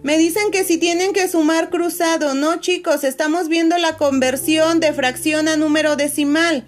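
A woman teacher, talking patiently to her pupils on a video call and filling pauses with "este". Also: high-pitched, fairly even intonation, faint music behind. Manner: patient, many fillers, calls pupils "chicos" and "corazones". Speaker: schoolteacher. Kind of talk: online class video call.

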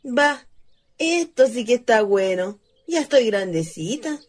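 A cheeky dreamy country girl from chile, radio theatre, highish girly voice, rural accent. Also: lively intonation, measured pace. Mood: cheeky, teasing. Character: wistful, cheeky youngest-sister ghost of a Chilean country girl.

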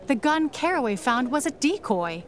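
Woman playing a high-voiced, no-nonsense investigator. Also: sing-song, moderate pace. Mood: grim, analytical. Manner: dry, analytical, exasperated. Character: exasperated, no-nonsense female investigator. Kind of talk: pulp radio drama acting.

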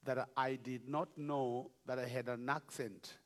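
A man with a Kenyan accent, a bishop speaking to a church, jovial and teaching slowly with laughs. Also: mid-range voice, steady tone. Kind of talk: sermon with song.

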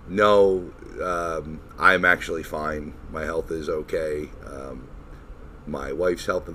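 Male podcast host, low pitch, halting casual talk, salty language, slight background noise. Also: fairly bright tone. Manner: halting, profane, informal. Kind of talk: casual chat. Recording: noisy recording.

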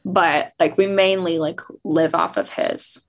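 A woman's voice: fairly low pitch, steady tone, unhurried. A woman in her early twenties, a photographer guest, talking casually with lots of filler words. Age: 20s. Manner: chatty, many "like" fillers. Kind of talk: casual chat.

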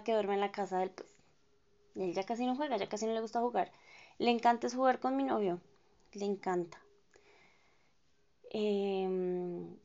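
A chatty Colombian woman in her twenties talks on her own podcast, wandering from one thought to the next and poking fun at herself. Her voice sits at an ordinary pitch for a woman. The recording sounds a little dull and lo-fi. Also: warm tone. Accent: Colombian Spanish. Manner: rambling, self-deprecating, slangy. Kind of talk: casual chatty monologue.

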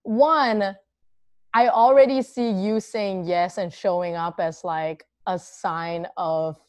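Deep-voiced young woman from Singapore, chatty. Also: steady tone, slow, darkish tone, no room sound. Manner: chatty, upbeat, lots of fillers. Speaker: podcast host. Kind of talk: casual podcast chat.

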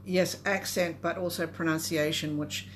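A woman's voice: deep voice, fairly even intonation, normal speed, slight background noise. Hesitant woman podcast host. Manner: hesitant, many fillers and restarts. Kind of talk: casual podcast chat.

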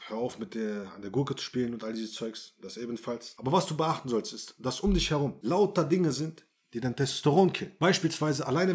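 A man's voice: medium pitch, darkish tone. A man coaching male listeners in a podcast monologue, blunt and crude, talking straight to the listener and repeating phrases for emphasis. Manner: brash, blunt and crude, addresses listener directly. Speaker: dating and self-confidence coach. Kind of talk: direct-to-camera podcast monologue.

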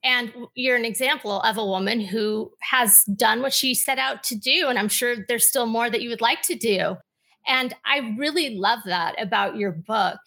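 A woman interviewing an author, warmly affirming her answers before asking her next question. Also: a little high. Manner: warm, affirming, with quick assents. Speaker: guest interviewer. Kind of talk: conversational interview.

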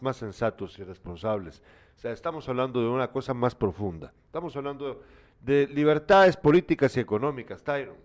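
A man's voice: mid-range voice, a little mellow. A man co-hosting a news talk show. He reads viewer messages aloud and answers them with scolding, exasperated opinions in a casual, conversational way.

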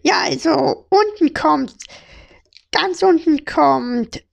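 A woman's voice: high-pitched, lively intonation, takes it slowly, vocal fry. A young woman from Hamburg hosting a casual, joking podcast chat with a friend. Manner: playful, joking, slang-heavy. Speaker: podcast host.

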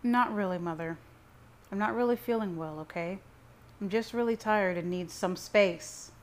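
A woman's voice: mid-range voice, moderate pace, close to an everyday voice. A bitter young man, voiced by a woman narrator, talks in a curt, defensive snarl. He is a hot-tempered audiobook hero with little patience. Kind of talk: audiobook character reading.

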